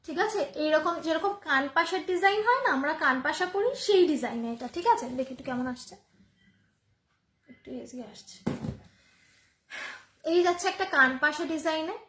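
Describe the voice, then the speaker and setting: A woman's voice: sits high, expressive, normal speed, pauses often, fairly bright tone, a little hiss or hum. A woman with a Bengali accent selling jewellery on a live phone stream from home, chatty and repeating each price to viewers. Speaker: online jewellery seller. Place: home room. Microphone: phone camera. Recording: echoey room.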